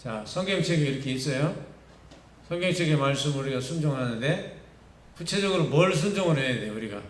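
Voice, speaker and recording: A man's voice: a little high, animated, a little fast, a little hiss or hum. A male pastor with a Gyeongsang accent giving a youth sermon, speaking conversationally and often putting questions to the listeners. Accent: Gyeongsang Korean. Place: church sanctuary. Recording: echoey church hall, distant mic.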